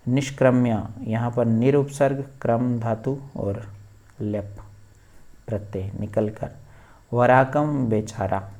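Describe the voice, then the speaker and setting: A male teacher explains a textbook lesson line by line. He speaks slowly and deliberately, at a medium pitch, stopping to spell out word meanings. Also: a little mellow.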